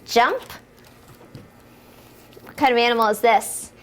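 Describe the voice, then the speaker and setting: Taking her time in a high-leaning voice, this woman reads picture books to young kids at storytime. She's animated and encouraging, posing questions to them and calling out the action words with playful excitement.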